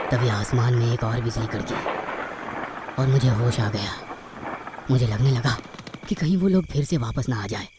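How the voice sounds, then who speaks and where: A man with a mid-range voice dramatically narrates a scripted first-person horror story. Loud music plays over his voice, and there is background noise as well.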